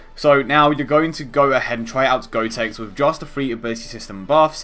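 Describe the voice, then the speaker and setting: A man talks fairly quickly at a medium pitch, with ordinary pitch variation. Music plays in the background. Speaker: mobile game YouTuber. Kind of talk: gameplay commentary. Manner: fast; animated.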